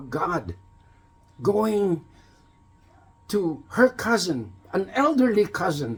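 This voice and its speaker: High-pitched man over music in the background. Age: 70s. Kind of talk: religious reflection talk. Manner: casual, hesitant.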